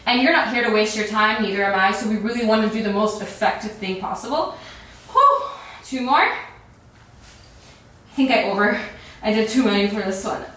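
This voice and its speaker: A woman's voice: mid-range voice, brisk, fairly bright tone. A woman leading a workout in a peppy, encouraging, casual way, exerting herself as she talks. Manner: exerting herself while talking. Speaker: fitness coach leading a workout. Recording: echoey room, distant microphone.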